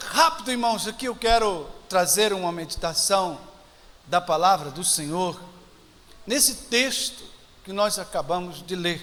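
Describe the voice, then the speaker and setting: The speech moves at a fairly slow pace with long, frequent pauses and ordinary pitch variation. There is audible room echo and noticeable background noise. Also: man, high pitch for a man. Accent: Mozambican. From Mozambique. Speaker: missionary pastor. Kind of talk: sermon.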